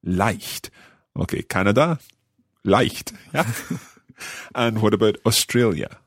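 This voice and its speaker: A man with a very low, husky voice leads a podcast language lesson. He speaks carefully and clearly for learners. The sound is dry and close. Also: slow, no echo. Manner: careful, enunciating learner pronunciation. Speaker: language course host. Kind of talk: podcast language lesson, repeating phrases slowly.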